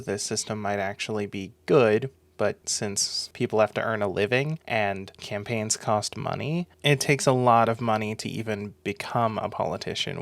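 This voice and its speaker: Sarcastic man with a sore, gravelly throat. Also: lowish voice, no room sound. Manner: dry, sarcastic, swearing. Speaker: video essay host. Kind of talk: sarcastic commentary monologue.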